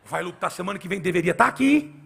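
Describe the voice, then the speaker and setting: A man's voice: sits high, expressive, fast talker, creaky, fairly bright tone. A male pastor preaching a sermon at a church service, in a fervent, sing-song style.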